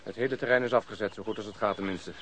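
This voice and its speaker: Man doing a dour dutiful cop in a radio play, talks fast, lowish voice. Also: fairly even intonation, close to an everyday voice. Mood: grim, resigned. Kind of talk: radio drama acting.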